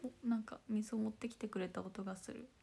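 A young woman chatting casually with viewers on a livestream, bubbly and quick to giggle. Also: mid-range voice, steady tone, creaky, warm tone, a little hiss or hum. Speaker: idol livestreamer.

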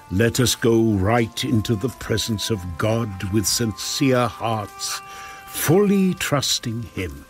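A man narrating dramatized scripture with earnest, emphatic, dramatic phrasing. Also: fairly low pitch.

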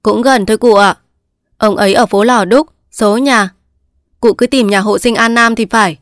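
A fussy court clerk, officious and quick to lecture, then polite and helpful, read by a woman narrator. Dry, close sound without any echo. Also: a little high, steady tone, natural voice.

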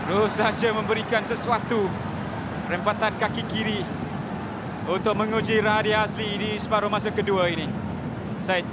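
A man calling a football match, excitable and dramatic, building to shouts at big chances. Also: high-pitched, moderate pace, long pauses. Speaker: play-by-play commentator. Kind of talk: football commentary. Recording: broadcast with loud stadium crowd. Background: loud crowd noise.

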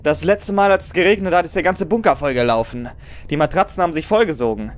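Man as Hans, a jaded, higher-voiced trench soldier. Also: quick pace, natural voice. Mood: grumbling. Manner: blunt, resigned. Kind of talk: audio drama acting.

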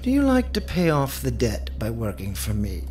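An actor playing a menacing black-market organ dealer in a radio drama, formal, deliberate and persuasive. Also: male voice, mid-range voice, huge pitch swings, darkish tone. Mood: coolly persuasive. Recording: music under the voice.

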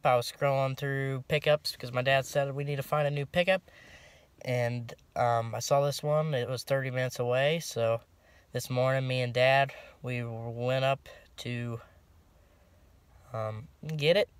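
A young man in casual vlog talk, filming himself on a phone at arm's length in a pickup cab, relaxed and rambling with lots of ums and restarts. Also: medium pitch, smooth, dry recording. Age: young adult. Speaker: farm vlogger. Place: inside a pickup truck cab and outdoors around it. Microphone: phone held at arm's length.

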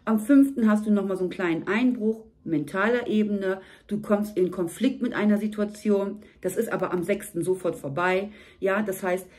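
Slightly hoarse woman giving a tarot reading. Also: medium pitch, normal speed. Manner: warm, reassuring, talks straight to the viewer. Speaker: tarot reader. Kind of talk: monthly tarot reading to camera. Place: indoors at a table.

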